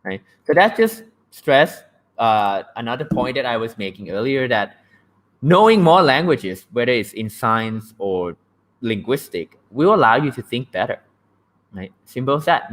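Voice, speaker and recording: A young Thai man with a Thai accent hosts a casual language-learning livestream, blunt and joking and often checking in with "right?". His voice is mid-range and a bit bright, with lively intonation at a normal speed.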